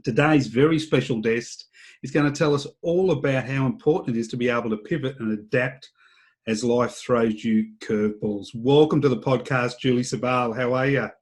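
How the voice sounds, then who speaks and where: A man's voice: medium pitch, steady tone, moderate pace. A man hosting an interview podcast, asking questions in a friendly, easygoing way. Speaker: podcast host.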